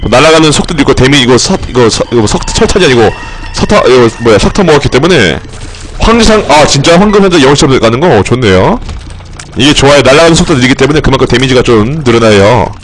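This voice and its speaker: Excitable young man streaming a game. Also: medium pitch, fast talker, a little hiss or hum. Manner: excitable, swearing, jokey outbursts and shouts. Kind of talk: playing a game and commenting to viewers.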